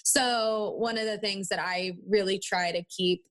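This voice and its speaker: A woman's voice: medium pitch, steady tone, a little slow, a bit bright. A woman in her twenties chatting as a podcast interview guest in a valley-girl manner, peppering her talk with "like" and "you know". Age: 20s. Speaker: interview guest, marketing agency owner. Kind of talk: casual podcast interview chat.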